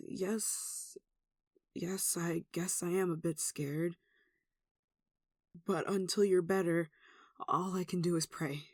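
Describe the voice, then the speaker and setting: A performer with a mid-pitched voice playing an anxious, devout, caring villager in an earnest, hesitant ASMR roleplay. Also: steady tone, slow, long pauses, no echo, studio quality. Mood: uneasy, tender. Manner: earnest, hesitant, soft sighing delivery. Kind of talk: ASMR roleplay audio drama.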